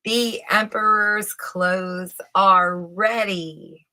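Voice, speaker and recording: A woman voicing fawning, oily swindler tailors in a storybook, speaking with ceremonious flattery. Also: medium pitch, drawn-out words, full character voice, rough recording. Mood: proud announcing. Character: two fawning, oily swindler tailors presenting invisible clothes.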